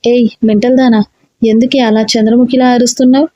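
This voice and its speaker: A woman's voice: on the high side, little pitch movement, brisk, mellow, dry recording, dull audio, lightly acted. A woman reading a story aloud and voicing a bossy, irritable young man who scolds the heroine. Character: gruff bossy young man, a rowdy hero.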